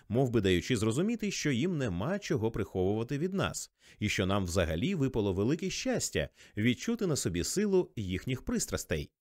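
A male audiobook narrator reading a literary novel with an expressive, animated delivery. His voice sits at an ordinary pitch and the sound is dry and close. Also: no room sound.

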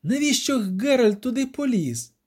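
A fretful, excitable bard pitched well above an ordinary man's voice, as a male narrator puts him on. He exclaims and swears with lively, leaping intonation. The tone stays mellow and dark underneath. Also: fairly quick. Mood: anxious.

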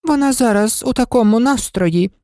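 A woman voicing the White Queen, a fretful queen who complains plaintively, in a storybook reading with a high voice. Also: expressive, normal speed, dark tone, no room sound, studio quality, natural voice.

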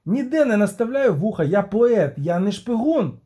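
Man reads touchy young troubadour, indignant, rising pitch. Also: sing-song, normal speed, dark tone. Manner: indignant, protesting.

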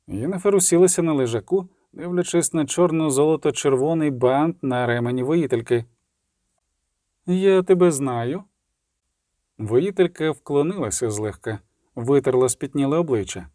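A man narrating an audiobook in a steady, even storytelling manner. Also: mid-range voice, fairly quick, dry recording, studio quality.

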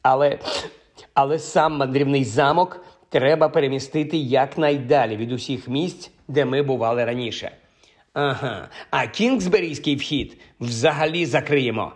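A man's voice: medium pitch, moderate pace, natural voice. A man reading an audiobook, voicing a vain, sulky young male wizard who complains irritably. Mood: grumbling. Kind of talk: audiobook character voice.

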